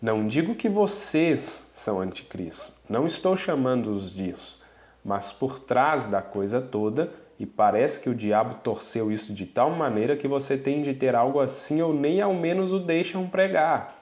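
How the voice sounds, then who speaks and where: Preacher mixing readings and asides. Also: male voice, medium pitch, expressive, moderate pace, a little mellow. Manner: reads quoted passages aloud and breaks in with asides, "né?", to the brethren. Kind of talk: sermon reading and commenting on quoted teachings.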